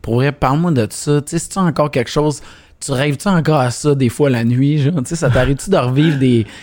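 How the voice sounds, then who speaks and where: A man's voice: mid-range voice, brisk. Chatty Quebec French man hosting. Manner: chatty, animated, colloquial. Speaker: host, interviewer. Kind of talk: casual interview talk.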